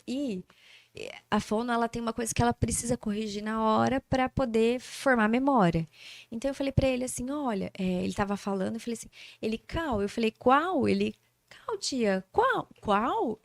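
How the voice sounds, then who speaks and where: A woman, a speech therapist speaking as a podcast guest in a lively storytelling manner, acting out dialogue as she talks. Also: on the high side, no echo. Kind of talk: casual podcast interview.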